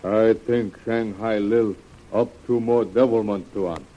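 Slow-spoken loyal servant sidekick, broken English. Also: male voice, on the low side, steady tone. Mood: deferential, wary. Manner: broken English, clipped, deferential. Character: loyal, watchful male Southeast Asian servant sidekick. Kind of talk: 1930s radio serial acting. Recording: muffled, noisy old radio recording.

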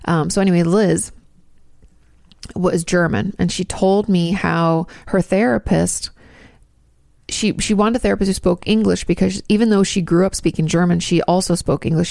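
Chatty 30s woman giving casual advice to her viewers, kinda low, lots of vocal fry. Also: a little mellow, no room sound, clean studio sound. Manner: chatty, rambling with asides and restarts. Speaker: YouTube host answering viewer questions.

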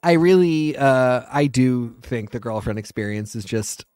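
A man's voice: mid-range voice, lively intonation, a little slow, a little mellow, clear, resonant tone, no echo, studio quality, soft background music. A man co-hosting a podcast, chatting casually in a thoughtful, somewhat hesitant way. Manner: thoughtful, hesitant, with many fillers and restarts. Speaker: podcast co-host. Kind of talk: casual chat.

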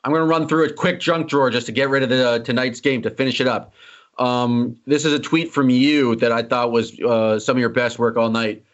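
A man hosting a casual sports podcast, teasing his co-host and joking as he moves quickly through topics. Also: mid-range voice, steady tone. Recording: slightly dull lo-fi audio.

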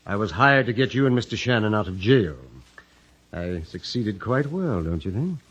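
Smug smooth lawyer from 50s radio drama, low husky voice, very expressive, oily and polite. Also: male voice. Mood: smug, evasive. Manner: oily, courtly, deliberate. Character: smooth, evasive, condescending male lawyer in Havana. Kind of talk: 1950s radio drama acting. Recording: muffled early 1950s radio recording.

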